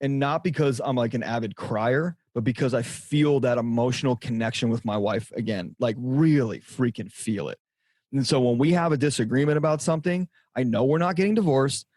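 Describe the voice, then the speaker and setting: A man's voice: medium pitch, brisk, darkish tone, dry recording. A middle-aged man, a guest on a podcast, speaking directly and emphatically about relationships. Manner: emphatic, direct, repeats for stress. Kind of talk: conversational interview.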